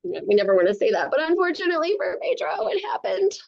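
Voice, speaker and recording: A woman reading a storybook aloud to children over a video call, with animated narration and encouraging, chatty asides, in dull lo-fi sound. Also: very high-pitched, fast talker, vocal fry. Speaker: children's author reading own book aloud.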